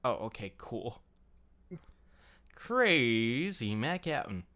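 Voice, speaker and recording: A man with a smooth, clear voice hosts a casual online hangout. His pitch moves around in an animated way as he rambles through jokey, self-deprecating asides. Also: very slow. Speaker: host of a fan livestream talk show. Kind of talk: casual group chat. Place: home computer setup, online group call. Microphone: headset.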